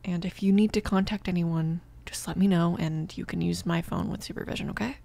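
Female mafia boss, acted by a woman, soft and creaky, protective yet apologetic, hesitant ASMR romance delivery. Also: lowish voice, fairly even intonation. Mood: flustered, gentle. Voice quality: soft, creaky, breathy whispering at times. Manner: hesitant, reassuring, halting. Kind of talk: ASMR romance roleplay, often whispered.

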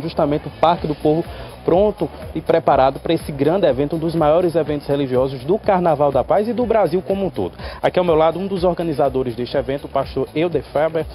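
Young paraiba reporter guy, talks fast and upbeat, handheld mic outdoors, faint music behind. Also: a little high, darkish tone. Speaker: field reporter. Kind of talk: live TV field report. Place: outdoor event venue under a large tent roof. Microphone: handheld microphone.

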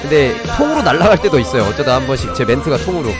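This man speaks in a mid-range voice, extremely animated and at a very rapid clip. He's streaming live game commentary and a tutorial over music, chatting with viewers and thanking the people who donate.

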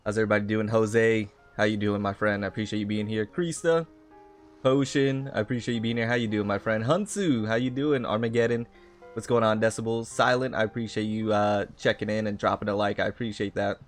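A man chats casually on a gaming livestream, greeting viewers and often repeating his phrases. His voice is lowish and fairly quick, with fairly even intonation, and background music plays.

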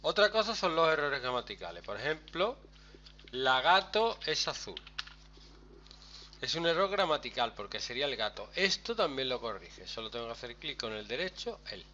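Male teacher, bright and animated, walking students through a task step by step, faint keyboard typing behind him. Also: medium pitch, a little fast, few pauses, a little hiss or hum. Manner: lively, chatty, explains step by step with frequent "¿vale?". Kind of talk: screen-recorded software lesson.

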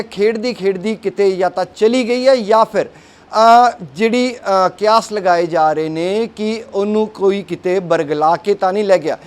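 Brief: male street reporter, higher voice, filler-heavy, gently soothing questions. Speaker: local news reporter. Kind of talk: street news report and interview.

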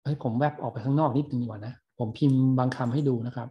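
A man's voice: mid-range voice, fairly even intonation, fast talker, slightly rough, dull audio. A male university lecturer in a recorded online lecture, patiently explaining English words in Thai between clips.

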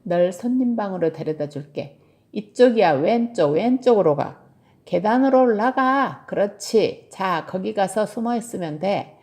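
A woman's voice: mid-range voice, expressive, normal speed, hardly any pauses, mellow, lightly acted. A woman voicing a stubborn young girl, scolding and emphatic, in a storybook read-aloud. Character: young girl, bossy and stubborn with her bear.

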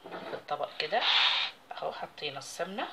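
Egyptian woman cooking host, lowish voice, quick, chatty demo while she works. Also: very animated, heavy background noise. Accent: Egyptian Arabic. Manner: chatty, talks while working with her hands. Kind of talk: casual recipe demonstration.

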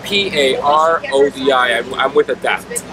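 A man's voice: mid-range voice, measured pace, crowd noise. A man in his thirties, a disability rights activist, speaking earnestly and insistently in a street interview outdoors. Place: city street outdoors with traffic. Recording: street traffic noise behind. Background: traffic and city ambience.

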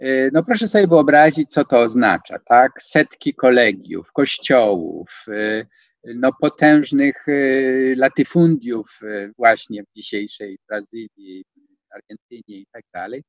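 A man in his sixties giving an online lecture from a home study, hesitating with many fillers and stressing words with rising pitch. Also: expressive, unhurried, no room sound. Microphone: video call. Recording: dull, dry video-call audio.

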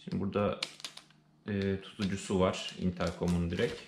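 A man with a Turkish accent presents an unboxing in a casual, unscripted way. His voice is on the low side and clearly gravelly, and he hesitates as he thinks aloud. The sound is roomy and echoey, as in a living room. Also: little pitch movement, normal speed, background noise.

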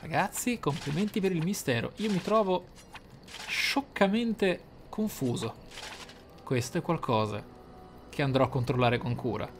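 A man giving casual, excitable playthrough commentary, often thinking aloud. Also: a little high, measured pace, slight background noise. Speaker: gaming channel host. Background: game music.

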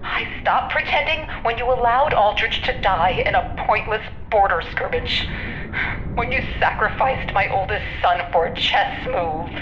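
An actress playing a bitter, defiant admiral's wife in an audio drama, scornful and emotional, as if over a radio link. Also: female voice, mid-range voice, lively intonation, measured pace, over music. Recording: dull, noisy, echoing radio transmission.

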